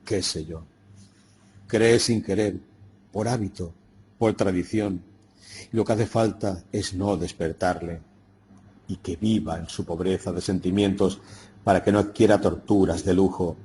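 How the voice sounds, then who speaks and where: A man voicing a grown brother who reasons calmly, in a measured, earnest audiobook reading. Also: sits low, a little hiss or hum.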